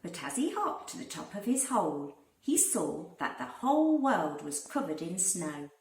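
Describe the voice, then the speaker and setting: A woman reading a children's storybook aloud like a primary school teacher, expressive and deliberate for young listeners. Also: on the low side. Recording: roomy, distant microphone.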